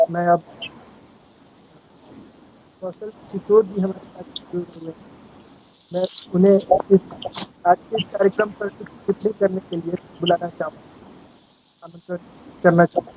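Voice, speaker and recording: A man's voice: sits high, steady tone, measured pace, long pauses, warm tone, slight background noise, poor audio. A man moderating an online poetry event over a video call, politely thanking the poet and inviting the next speaker in formal words.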